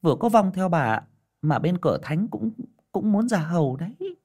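A man voicing an older female fortune-teller who frets and explains in quick bursts. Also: high-pitched, very animated, a little mellow, pitched above the performer's own voice, heavily acted. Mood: fretful. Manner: fussy, exclaiming, talks fast in bursts. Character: older woman fortune-teller, fretful and worried.

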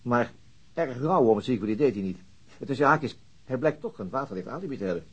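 In a radio drama performance with a naturalistic style, an actor voices a methodical, slightly weary detective who explains and ponders, hesitating as he reasons aloud. His medium-pitched, animated voice is fairly quick with a breathy edge, over dull audio.

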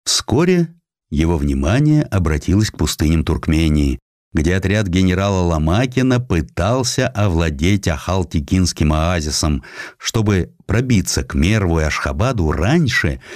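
A man reading historical stories as an audiobook narrator, with expressive scripted delivery, close on the microphone. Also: low-pitched, dry recording. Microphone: close studio microphone.

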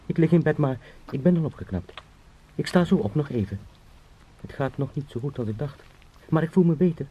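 An actor in a radio drama playing an anxious young travelling salesman trapped as a beetle, brooding in halting phrases. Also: mid-range voice, breathy edge. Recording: muffled, with background noise.

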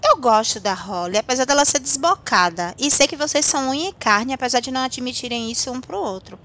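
Uma mulher interpretando a esposa carinhosa e levemente provocadora de um capitão, em audiodrama. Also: female voice, high-pitched, animated, brisk, bright, forceful tone. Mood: affectionate, puzzled. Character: captain's affectionate wife, gently teasing. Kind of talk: audio drama dialogue.

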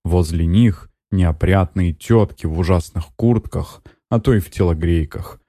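A man narrating an audiobook in a steady, measured way. His voice is deep and mellow. The recording is dry and close. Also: no room sound. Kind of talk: scripted narration.

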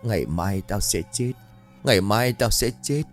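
A man voicing a possessed young man in a horror story, speaking in a low, hushed murmur. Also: animated, a little slow, faint music behind. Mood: menacing.

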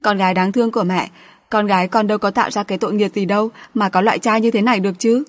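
A female narrator plays a middle-aged wife at the end of her rope in a storybook drama. She rants and accuses bitterly, her pitch lifted above plain narration. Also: steady tone, rapid-fire, lightly acted. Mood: wailing. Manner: ranting, accusing, wailing.

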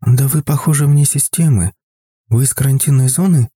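A man reads an earnest young mother who asks one question after another, with his voice lifted only slightly. The tone stays dark and mellow in a dry, close recording. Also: mid-range voice, normal speed, husky, no echo, close to an everyday voice.

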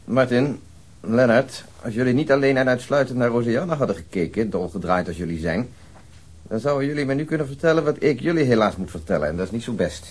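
An actor playing an observant, methodical detective who explains precisely, in a Dutch radio drama. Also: male voice, mid-range voice, lively intonation, fairly quick, husky. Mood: assured, explanatory.

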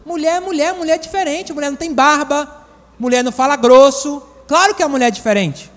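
Male pastor with a high voice, animated preaching style, long church-hall reverb. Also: a little fast. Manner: animated, acts out quoted voices. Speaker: pastor and psychologist. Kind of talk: sermon.

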